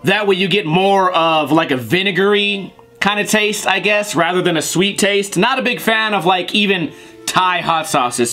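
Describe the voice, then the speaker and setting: A man's voice: sits high, bright, forceful tone. A young man hosting a casual food review vlog from his living room couch, blunt and crude with jokey asides, recorded by a tripod camera. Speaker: host.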